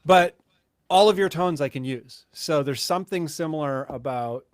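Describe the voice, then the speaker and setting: A man's voice: fairly high pitch, moderate pace, dry recording, clean studio sound. A man in his late forties, a guitarist chatting casually on a live stream, joking and self-mocking. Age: 40s. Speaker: guest guitarist. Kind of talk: casual chat.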